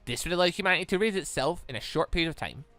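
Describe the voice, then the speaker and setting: A man's voice: on the high side, expressive, fairly bright tone, no room sound, soft background music. Man reading as a cold, clipped female android. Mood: cold, pragmatic. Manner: formal, clipped, deliberate machine-like delivery. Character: cold logical female android, pitiless and literal.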